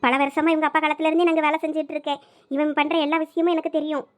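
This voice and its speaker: A woman's voice: high-pitched, little pitch movement, racing, lightly acted. A woman voicing a kindly older female house servant who speaks in a soothing, protective way. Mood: caring. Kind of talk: audio drama acting.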